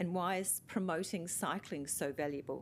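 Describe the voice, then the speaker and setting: A woman in a New Zealand accent, fairly low in pitch, at a moderate pace with ordinary pitch variation. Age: 60s. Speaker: public submitter at council hearing. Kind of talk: public submission at council hearing. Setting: council committee meeting. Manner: halting, many fillers and restarts.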